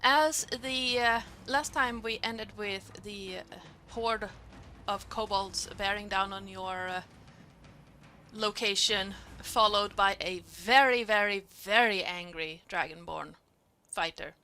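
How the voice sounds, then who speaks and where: Bright crisp-sounding woman dm, german first language, lots of uhs, faint music under her. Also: mid-range voice. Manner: halting, many fillers, quick laughs. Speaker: game master. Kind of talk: narrating a tabletop game and chatting.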